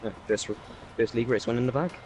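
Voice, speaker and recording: A Welsh man talking through his race as a league driver in a casual interview, rambling with many fillers and speeding up when excited. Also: mid-range voice, fast talker, a little hiss or hum. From Wales.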